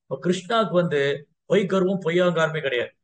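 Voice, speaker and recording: A man's voice: on the high side, brisk. A male Vaishnava preacher telling a devotional story to a gathering, acting out dialogue and repeating phrases. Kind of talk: sermon storytelling to a congregation.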